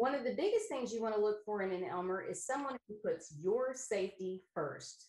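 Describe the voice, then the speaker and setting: With an American accent and a plain, everyday voice, a woman speaks at a fairly high pitch and moderate pace, with lively intonation and hardly any pauses. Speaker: amateur radio operator and tower climber. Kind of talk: presentation. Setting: video call.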